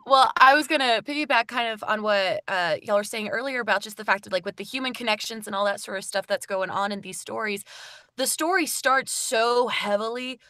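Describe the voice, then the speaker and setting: Woman talking about narrating the story, bright tone, dry close sound, thoughtful. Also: on the high side, brisk, no room sound. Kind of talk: casual podcast discussion.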